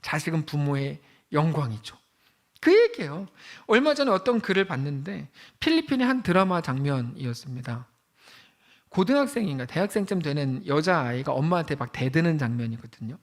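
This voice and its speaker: A man's voice: on the high side, big pitch swings, a little fast. A male pastor giving a conversational afternoon sermon in a church, acting out quoted voices as he goes. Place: church sanctuary.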